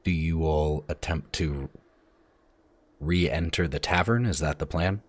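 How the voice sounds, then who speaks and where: A man narrating as game master of a tabletop role-playing game, in slow, descriptive, measured speech. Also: a bass voice, slightly rough, no echo.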